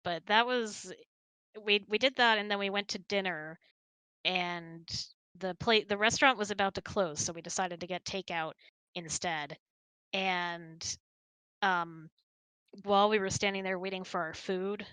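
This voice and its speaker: A woman's voice: fairly low pitch, pushed and bright, smooth, no room sound, rough recording. A woman in her thirties, giggly and chatty, hosting a casual question-and-answer hangout. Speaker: host. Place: indoors, close and dry online voice hangout.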